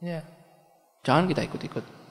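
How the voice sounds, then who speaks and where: Brief: male preacher, lively sermon, fairly high voice, long hall reverb. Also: normal speed. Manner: conversational, animated, dramatizing. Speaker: Islamic preacher. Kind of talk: sermon with acted anecdotes.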